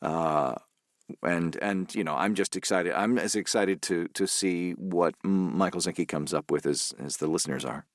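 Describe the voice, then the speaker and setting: A very deep male voice, recorded dry with hardly any room around it. He speaks as an actor being interviewed, reflective and halting as he works out his thoughts. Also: no echo.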